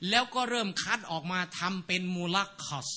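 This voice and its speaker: A male teacher giving a casual, animated lecture to students, often stopping to ask whether they follow him. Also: sits high, a little fast. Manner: animated, keeps asking rhetorical checks; mimics accents while explaining.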